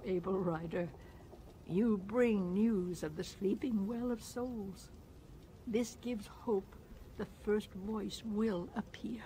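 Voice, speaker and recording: An actress playing a calm, mystical alien tribal wise woman in a video game, measured and formal. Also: mid-range voice, a little hiss or hum, close to an everyday voice. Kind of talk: video game character acting.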